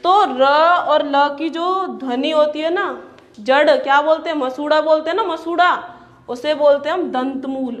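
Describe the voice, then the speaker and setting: High pitched lady teacher, slow and patient, keeps repeating sounds and quizzing the class. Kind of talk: classroom lecture.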